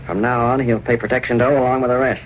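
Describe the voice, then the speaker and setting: An actor playing a smug, slangy gangster boss in a 1930s radio drama, on a hissy old broadcast. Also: male voice, mid-range voice, little pitch movement, fast talker, natural voice, low-quality recording. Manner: smug, slangy tough-guy talk. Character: smug male gangster boss running a protection racket.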